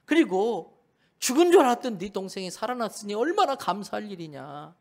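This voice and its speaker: Pastor guy doing a gentle old dad, quiet and slow, coaxing, still kinda high voice. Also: sing-song. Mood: tender pleading. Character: gentle older father soothing his son.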